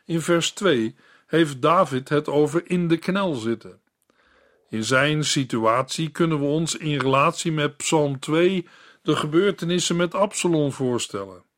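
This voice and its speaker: A man reading a scripted Bible commentary in a calm, measured way, as a Bible teacher. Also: fairly high pitch.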